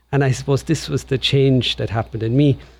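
Speaking with a Tipperary accent, a man has a medium-pitched, dark, mellow tone that is somewhat breathy, and his intonation stays fairly even. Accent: Irish, Tipperary. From County Tipperary, Ireland. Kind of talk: radio interview.

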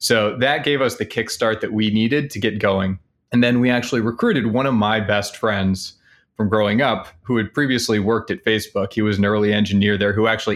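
This man has a normal speaking voice, fairly low in pitch, and talks at a fairly quick pace with fairly even intonation on a very clean recording with a silent background. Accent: American. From US West Coast (San Francisco Bay Area). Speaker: startup founder and CEO. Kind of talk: casual interview.

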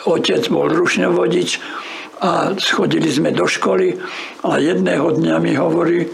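With noticeable background noise and audible room echo, a man speaks at a fairly slow pace. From Záhorie region, western Slovakia (Stupava). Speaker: former radio journalist and eyewitness. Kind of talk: oral history interview. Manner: halting, with many fillers.

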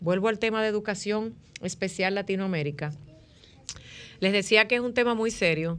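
This woman has a medium pitch and a bright, sharp tone. She sounds animated, speaking at a moderate pace with ordinary pitch variation. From raised in the United States. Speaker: radio host. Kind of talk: live radio talk show. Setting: radio studio.

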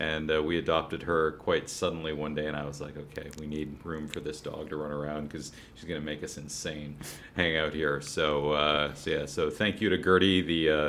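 A man's very deep, low voice in a flat monotone, over noticeable background noise. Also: moderate pace. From Canada, Toronto. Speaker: singer-songwriter. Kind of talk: casual interview. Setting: radio studio.

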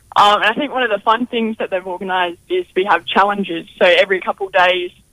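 A woman speaks with an Australian accent. Her pitch is medium and her pace is very fast. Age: young. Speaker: football player. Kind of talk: casual chat. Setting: phone call. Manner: animated.

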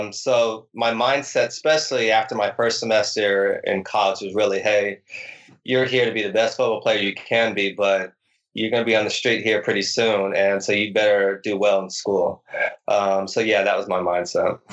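An unremarkable speaking voice moves at a moderate pace. The intonation stays fairly even. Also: man, fairly low pitch for a man. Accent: American. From Nevada. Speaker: former NFL player. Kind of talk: casual interview.

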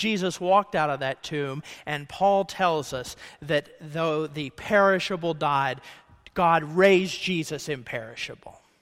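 A man with an unremarkable speaking voice, fairly high in pitch, at a fairly slow pace with ordinary pitch variation. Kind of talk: sermon. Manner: building to a rhetorical climax, direct address to the congregation.

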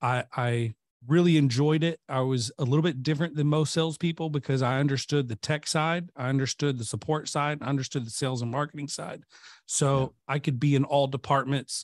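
Against a quiet background, a man with an American accent and a normal speaking voice talks at a fairly quick pace. His pitch is fairly high, his intonation fairly even, and the sound dry and close with no echo. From US South, Macon, Georgia. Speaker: entrepreneur, garage door company owner. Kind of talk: interview.

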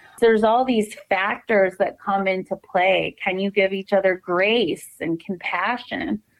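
A woman with a plain, everyday voice and an American accent, medium pitch, ordinary pitch variation, a fairly slow pace and hardly any pauses. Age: 30s. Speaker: mental health therapist. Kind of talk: interview.

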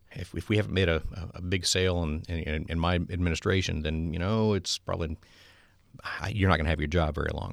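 A man speaks at a fairly quick pace with a very deep, low pitch and a Southern US accent. The recording is very clean, with a silent background. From Louisiana. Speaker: economic development executive. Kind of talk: interview. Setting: studio.

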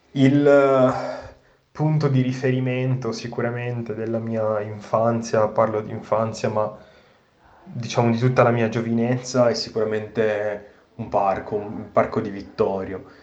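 Amid audible room echo, a man speaks slowly-ish at a fairly slow pace, with medium pitch and fairly even intonation. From Italy, Turin. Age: 20s. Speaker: neighborhood resident. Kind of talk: personal testimony.

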